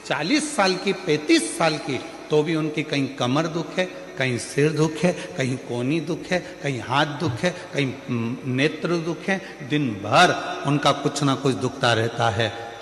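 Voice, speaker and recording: Hindi preacher in an echoey hall. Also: male voice, on the high side, a bit bright. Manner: repetitive, emphatic storytelling with acted quotes. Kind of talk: Hindu devotional sermon.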